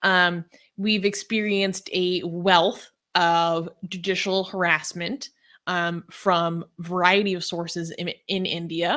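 Against a quiet background, a woman speaks very slowly at a fairly low pitch with a bright, sharp tone and fairly even intonation. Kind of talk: appeal for donations, explanation. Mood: earnest, serious. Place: home room.

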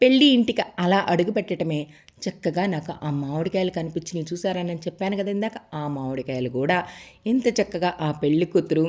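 Animated in tone, a woman speaks with lively intonation at a fairly low pitch. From Andhra Pradesh, Chirala area. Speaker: vlogger and beautician. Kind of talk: vlog narration. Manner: chatty, animated.

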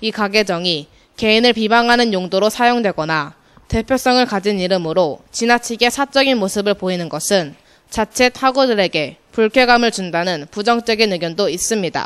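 At a moderate pace, a woman speaks in a fairly high pitch with ordinary pitch variation, an ordinary speaking voice. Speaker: student news reporter. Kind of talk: news report. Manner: formal.

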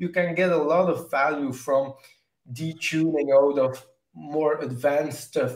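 A man talks at a fairly high pitch against a quiet background. Audible room echo surrounds his voice. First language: not English. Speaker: guitar teacher and live stream host. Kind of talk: casual interview chat on a live stream. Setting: live stream. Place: home room.

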